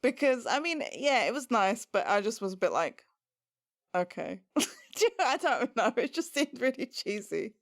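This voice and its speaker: Animated woman podcast co-host. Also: on the high side, normal speed. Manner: animated, laughing, sarcastic asides. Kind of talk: casual recap chat.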